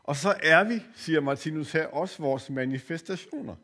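A man's voice: fairly high pitch, a bit bright. Reflective older man giving a lecture. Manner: reflective, pausing often with hesitant fillers. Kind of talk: spiritual lecture. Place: course center lecture room.

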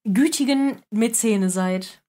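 A woman's voice: fairly high pitch, slow, mellow. A woman podcast co-host wrapping up the episode in a friendly, chatty way. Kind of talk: casual podcast chat.

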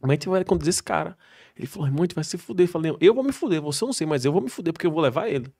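A man, a military police soldier, telling slangy, animated stories on a podcast. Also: fairly high pitch, rapid-fire. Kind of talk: podcast storytelling.

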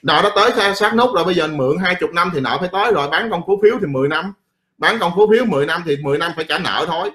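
A man's voice: high-pitched, animated, rapid-fire, a bit bright. A middle-aged man who rants about politics in a casual, blunt and profane way, rambling and repeating himself. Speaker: political commentator.

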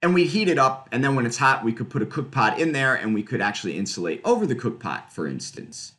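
A middle-aged man giving a conversational research talk over a video call from a room at home, explaining slides with fillers and quick self-corrections. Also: mid-range voice, big pitch swings, fairly bright tone. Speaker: physics researcher presenting. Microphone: webcam on a video call.

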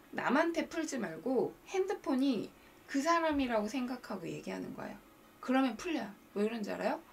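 A woman coaching viewers on a live stream, talking to them directly with animated emphasis. Her voice has a gravelly edge and swings widely in pitch. She sits some way off the mic, with faint noise behind her. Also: distant mic. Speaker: mind-training coach and live-stream host.

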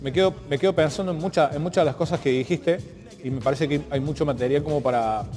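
A somewhat high-voiced man with a Cordobese Argentine accent conducts a reflective interview. He phrases things haltingly and thoughtfully, often doubling back on words. His voice rings in a big hall, with music underneath. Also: darkish tone. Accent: Cordobese Argentine Spanish. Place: large art gallery, indoors.

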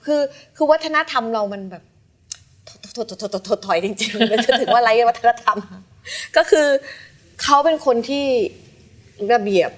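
A woman's voice: on the high side, normal speed. A woman guest on a talk show, telling her story and acting out the voices of people in it. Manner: animated, acts out quoted voices. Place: television studio.

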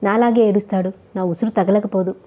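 A woman's voice: mid-range voice, fairly even intonation, a little fast, mellow, lightly acted. Woman voicing bitter, betrayed young bride. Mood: furious. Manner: bitter, accusing. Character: young woman, deceived bride, fiery and heartbroken.

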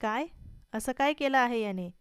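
An alarmed mother snaps out demands, as a woman reads her. The voice is very clear and slightly high, recorded close and dry. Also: moderate pace, no echo, natural voice. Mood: angry. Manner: sharp, demanding.

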